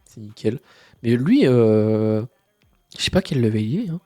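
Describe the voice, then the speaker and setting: A man's voice: medium pitch, measured pace. A man streaming a game live, chatting casually while he plays, stuffy from a cold. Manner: relaxed, mumbling asides, frequent fillers. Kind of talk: casual live gameplay chat.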